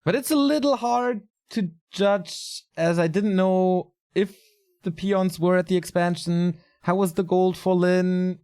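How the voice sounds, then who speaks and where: Tired, slightly raspy man casting solo. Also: high-pitched, measured pace, a little mellow. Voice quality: casual, chatty delivery with fillers. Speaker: esports caster. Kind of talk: solo game commentary.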